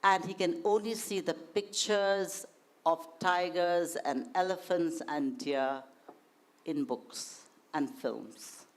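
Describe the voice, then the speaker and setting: A woman with a posh, educated Indian accent, speaking earnestly and a little haltingly as she shares anecdotes and opinions at a panel discussion. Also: on the low side.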